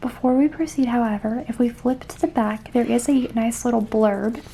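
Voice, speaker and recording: Soft-spoken and calm, a woman with a slight Southern US accent talks at a fairly quick pace with fairly even intonation. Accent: light Southern US. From Georgia, US South. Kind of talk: ASMR show-and-tell. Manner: soft-spoken, calm.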